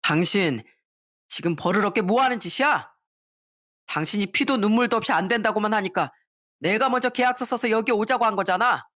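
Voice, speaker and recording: A woman voicing an angry young husband who argues defensively and shouts back in a storybook drama. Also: mid-range voice, fairly quick, no echo, studio quality, natural voice. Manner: shouting, indignant.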